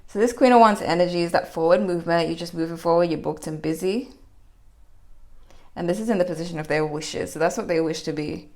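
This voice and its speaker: A woman's voice: lowish voice, fairly quick, a little mellow. A woman giving a casual, rambling general tarot reading to her viewers, full of fillers and restarts. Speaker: tarot reader.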